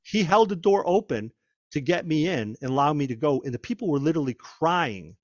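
A man, a former federal agent, telling stories in a conversational interview, animated and often repeating and restarting his words. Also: on the high side, fairly quick, dry recording, lo-fi sound. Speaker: guest, former FBI agent. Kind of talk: conversational storytelling.

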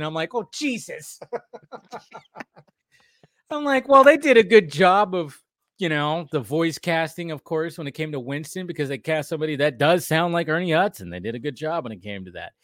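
A man's voice: fairly high pitch, fairly bright tone, dry recording, studio quality. Chatty man laughing through cartoon commentary. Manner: chatty, laughs often, restarts sentences. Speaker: podcast co-host. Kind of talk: casual fan commentary on a cartoon.

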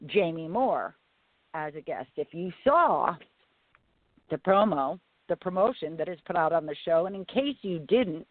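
A woman hosting a live talk radio show in a low, raspy voice, speaking deliberately and leaning on phrases for emphasis. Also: dry recording. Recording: tinny phone-line radio audio.

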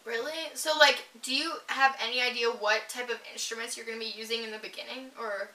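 A woman's voice: a little high, fairly even intonation, brisk, pushed and bright. A woman hosting a casual chat, talking chattily with lots of fillers. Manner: chatty, many fillers, giggly. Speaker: host. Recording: roomy, distant mic.

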